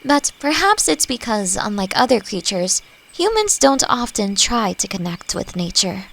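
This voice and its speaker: A woman playing a friendly, playfully teasing elf who teaches magic, speaking gently and reflectively in a roleplay audio drama. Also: mid-range voice, sing-song, unhurried, vocal fry, full character voice. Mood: thoughtful, gentle. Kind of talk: scripted roleplay audio drama addressed to the listener.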